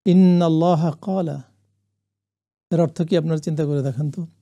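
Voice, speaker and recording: A man teaching the meaning of Quranic Arabic words, reciting phrases slowly for listeners to repeat and adding English glosses. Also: fairly high pitch, fairly even intonation, warm tone, breathy edge. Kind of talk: classroom lesson on Quranic Arabic.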